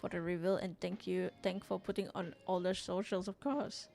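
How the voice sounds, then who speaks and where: A woman's voice: lowish voice, fairly even intonation, normal speed, gravelly, a little mellow. A woman from Singapore hosting a live drawing stream, chatting casually, reading chat aloud and rambling with frequent restarts. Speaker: livestream artist host.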